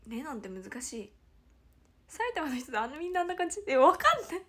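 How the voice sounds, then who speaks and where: A woman's voice: high-pitched, fast. Giggly young woman chatting on a stream. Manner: giggly, animated, often dropping to a near-whisper. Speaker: idol livestream host. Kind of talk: casual livestream chat.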